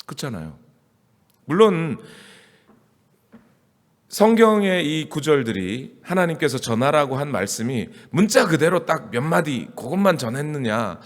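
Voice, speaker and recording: A man's voice: a little high, sing-song, a little slow, pauses often. A male pastor preaching a sermon in a conversational style, asking his congregation question after question. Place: church sanctuary. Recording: church hall with long reverb.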